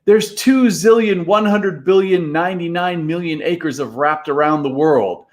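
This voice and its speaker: A man voicing an excitable, wonder-struck young boy who exclaims eagerly. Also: on the high side, measured pace, voice pushed up, close to an everyday voice.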